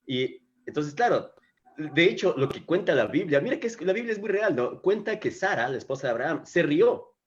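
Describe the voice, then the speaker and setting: A man's voice: on the high side, animated, brisk, lo-fi sound, slight background noise. A man hosting a live talk on faith, telling the story animatedly and often restarting his sentences. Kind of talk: casual spiritual conversation. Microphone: video call microphone.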